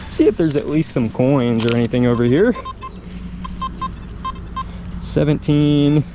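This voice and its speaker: A man's voice: mid-range voice, warm tone. A man chatting casually and musing aloud in a laid-back, slangy way as he hosts an outdoor metal detecting vlog in a park. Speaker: host of a metal detecting channel. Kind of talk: casual outdoor vlog chat, thinking aloud while searching. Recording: outdoor park ambience with clear background noise. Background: park ambience.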